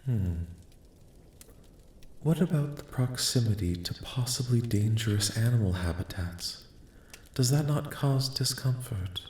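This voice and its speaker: A man voicing a calm, curious alien in an ASMR roleplay, speaking softly with formal, detached, precise wording. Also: medium pitch, measured pace, roomy sound, slight background noise, close to an everyday voice. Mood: curious, measured. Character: calm, curious, clinical male alien studying human dreams. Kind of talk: soft-spoken ASMR roleplay, scripted.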